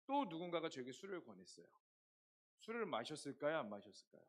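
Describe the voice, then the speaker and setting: A hoarse young man preaching a sermon to a youth group, telling stories and asking the congregation rhetorical questions. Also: fairly high pitch, sing-song, quick pace. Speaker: youth pastor.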